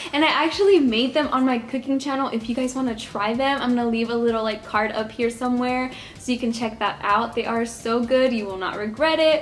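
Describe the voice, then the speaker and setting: A woman talks fairly quickly with hardly any pauses at a high pitch and ordinary pitch variation, amid audible room echo and noticeable background noise. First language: Spanish. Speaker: YouTuber. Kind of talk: casual vlog. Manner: animated.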